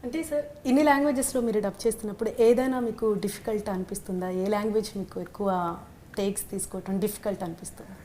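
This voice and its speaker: A woman's voice: medium pitch, fairly even intonation, rapid-fire, warm tone, a little hiss or hum. A woman interviewer, asking questions politely, calling her guest sir and switching between two languages. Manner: polite, says sir, many fillers.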